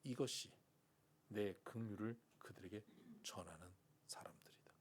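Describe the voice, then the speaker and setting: A pastor voicing God as a gentle, solemn fatherly figure, speaking low and half in whispers. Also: normal speed, slight background noise, close to an everyday voice. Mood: tender solemn. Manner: low hushed voice dropping to whispers.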